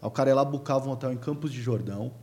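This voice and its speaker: A man's voice: medium pitch, very fast. A man, explaining marketing in casual chat and acting out little dialogues as he goes. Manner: animated storyteller acting out dialogues.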